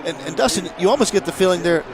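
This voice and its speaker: A play-by-play announcer with a high voice calls an American football game live from a broadcast booth in rapid-fire fashion, with crowd noise behind him.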